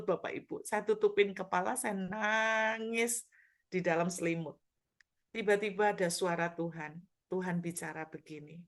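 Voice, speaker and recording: A middle-aged woman pastor preaching a sermon, telling a personal story with animated delivery and acted-out quoted voices. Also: medium pitch.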